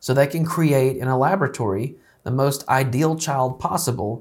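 Speaking at a fairly slow pace with an American accent, a man with a fairly high pitch sounds somewhat breathy in a very clean recording with a silent background. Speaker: podcast host. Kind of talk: news commentary monologue. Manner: opinionated, conversational.

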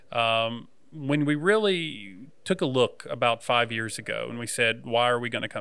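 This man has a plain, everyday voice with an American accent and a medium pitch. He speaks at a fairly slow pace with lively intonation. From United States. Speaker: real estate investment consultant. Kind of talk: casual interview chat. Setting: office.

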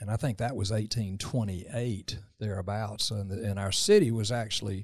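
This man has a fairly low, somewhat breathy voice and a moderate pace. His intonation is fairly even. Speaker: runner and race organizer. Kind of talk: casual interview. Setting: studio.

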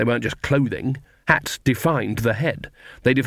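The intonation stays fairly even throughout this unforced reading voice.

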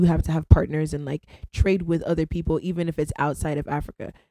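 A woman's dark, mellow, fairly low voice at a very fast pace, dry and close with no echo. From Ghanaian family, born in Italy, lives in Georgia US. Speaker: podcast host. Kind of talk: casual chat, podcast interview.

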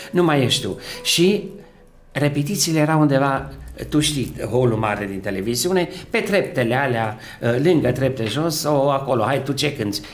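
There is noticeable background noise and audible room echo. A man with a fairly high voice speaks at a moderate pace with lively intonation. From Romania, Făgăraș. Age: 70s. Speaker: singer. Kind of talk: casual chat. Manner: halting.

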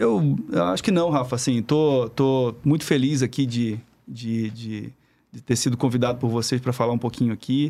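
The recording is very clean, with a silent background. A man at medium pitch speaks at a moderate pace with ordinary pitch variation and a dark, mellow tone. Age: 40s. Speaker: tech company co-founder. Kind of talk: interview. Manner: halting, frequent fillers.

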